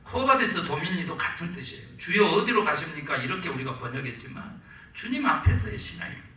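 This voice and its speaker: A Korean man preaches a lively sermon, acting out quotes and drawing amens from the congregation. His voice sits high and swings widely in pitch. It rings through a very echoey church, picked up from a distance. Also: quick pace, a little hiss or hum. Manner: animated, acts out quotes and calls for amens. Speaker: pastor. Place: church sanctuary.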